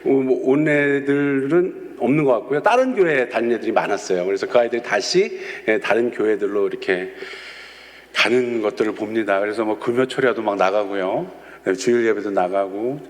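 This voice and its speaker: A man's voice: on the low side, moderate pace. A male youth pastor giving a conversational sermon, telling stories with frequent affirming asides. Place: church sanctuary. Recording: long church-hall reverb.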